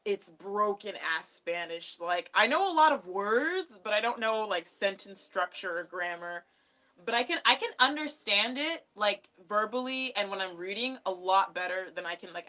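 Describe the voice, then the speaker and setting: A woman's voice: medium pitch, bright, forceful tone. A young adult American woman hosting a casual live stream, talking in an informal, rambling way. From California, USA. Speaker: livestream host. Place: small decorated bedroom, indoors.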